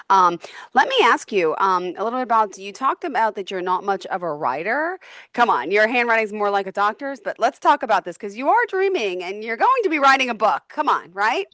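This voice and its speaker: A woman's voice: mid-range voice, a bit bright, no room sound, clean studio sound. A woman hosting a podcast interview, enthusiastic and affirming toward her guest. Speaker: podcast host.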